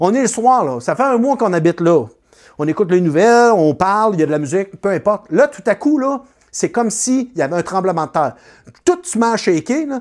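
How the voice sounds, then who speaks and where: This man talks at a fairly quick clip in a Quebec accent, his high pitch swinging very widely in an animated tone. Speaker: magician and storyteller. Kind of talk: comedic storytelling.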